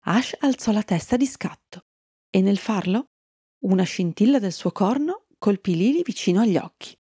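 A woman narrating a fairy tale for children, telling it in a calm storytelling manner and greeting young listeners at the end. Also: medium pitch, moderate pace, slightly rough, dry recording, studio quality.

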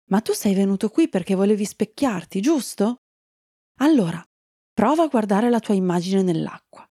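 A woman voicing a gentle, eager young female unicorn in a children's story, speaking sweetly. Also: medium pitch, expressive, moderate pace, dry recording, clean studio sound, close to an everyday voice.

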